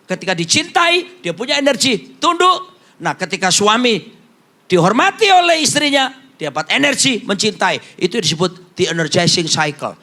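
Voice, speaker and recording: A man's voice: sits high, pushed and bright. A middle-aged male pastor, preaching a humorous sermon and telling stories in a jokey way. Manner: jokey storyteller, acts out quotes, slips into Javanese phrases.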